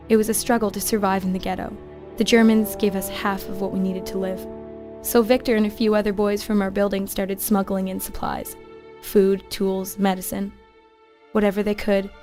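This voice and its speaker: A woman acting a grieving young ghetto prisoner who tells her story in a radio drama. Her delivery is measured and reflective, with very little rise and fall. Music plays behind her. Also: medium pitch, close to an everyday voice. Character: grieving young Jewish woman recalling life in the Warsaw ghetto. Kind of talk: scripted dramatic first-person narration.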